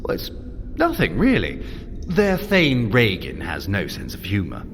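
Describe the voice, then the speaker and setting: A man's voice: lowish voice, huge pitch swings, unhurried, background noise, heavily acted. A man playing a sly, vain trickster god in an audio drama, theatrical and glib. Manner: theatrical, glib, self-justifying.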